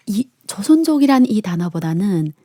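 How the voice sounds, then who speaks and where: Woman radio host, soft mellow tone, dry studio sound, reads letters and chats. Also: mid-range voice, sing-song, normal speed, no room sound. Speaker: radio show presenter. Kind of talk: letter reading and warm studio chat on radio.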